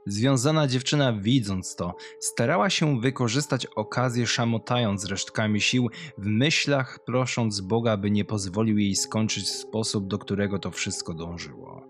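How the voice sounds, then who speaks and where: A man's voice: moderate pace, hardly any pauses. A man reading a scripted horror story as a narrator. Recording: low music behind, compressed audio. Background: music.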